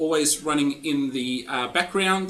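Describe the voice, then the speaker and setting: Through noticeable background noise, a man with an Australian accent speaks at a fairly slow pace with lively intonation. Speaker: gaming video creator. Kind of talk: tutorial. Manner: hesitant, many fillers.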